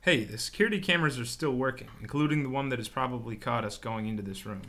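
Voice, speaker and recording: A woman's voice: a bass voice, fast, a bit bright. A woman playing a wary, grudging police officer in a sci-fi radio drama, speaking in a dry, sarcastic manner. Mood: dry, wry.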